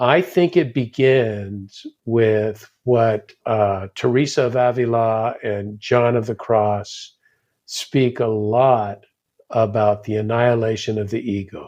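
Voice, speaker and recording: A man's dark, mellow voice at a very slow pace. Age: 70s. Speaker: former executive coach, theological speaker. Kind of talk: interview conversation. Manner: halting, repeats words.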